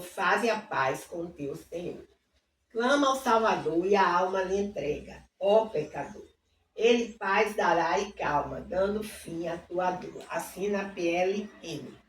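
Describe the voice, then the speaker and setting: A woman hosting a devotional reading, fervently reading hymn lyrics aloud, adding warm asides, and leading a prayer. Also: medium pitch, a little hiss or hum. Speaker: Bible reading host. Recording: roomy, distant mic with faint ambience.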